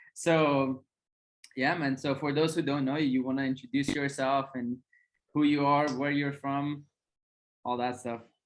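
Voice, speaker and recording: A man with a non-native accent speaks at a fairly high pitch and a moderate pace, with monotone, flat intonation. He leaves long, frequent pauses. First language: not English. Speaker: self-development coach. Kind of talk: casual interview.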